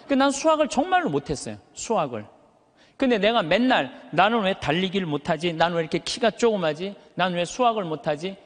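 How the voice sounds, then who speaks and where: High, full-voiced male priest in a reverberant hall. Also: sing-song, a little fast. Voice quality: high but thick, full voice that carries. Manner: emphatic, uses rhetorical questions and stretched words for effect. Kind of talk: animated motivational sermon to a live audience. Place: large hall, speaking to an audience.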